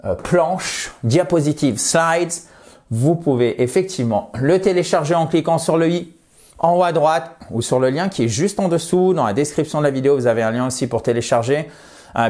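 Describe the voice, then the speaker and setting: Guy giving an english lesson, stretches out example phrases, upbeat. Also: medium pitch. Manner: lively, drawn-out slow drills of English phrases. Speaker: English teacher. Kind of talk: online language lesson.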